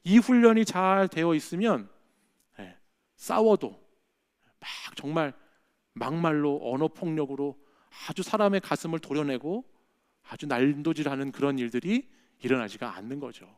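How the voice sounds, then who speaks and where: A man's voice: on the high side, expressive, normal speed, darkish tone, smooth. A male pastor preaching a sermon in a church, talking in a conversational way and often checking in with the congregation. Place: church sanctuary.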